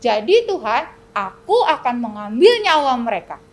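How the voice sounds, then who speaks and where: A woman's voice: a little high, big pitch swings, normal speed. A woman voicing a sneering devil who tattles on children in a singsong, repetitive way. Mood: accusing.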